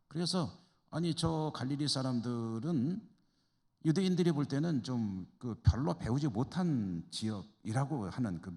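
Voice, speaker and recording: This man is a pastor from Chungcheong, Korea, teaching Bible study in a reverberant church hall. His mid-range, darkish voice stays conversational as he puts rhetorical questions to the class.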